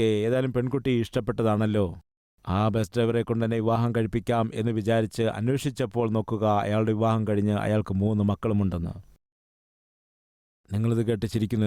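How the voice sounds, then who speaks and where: A man's voice: lowish voice, mellow, clear, resonant tone, no room sound, clean studio sound. A man preaching a sermon, putting one question after another to his listeners and appealing to them earnestly.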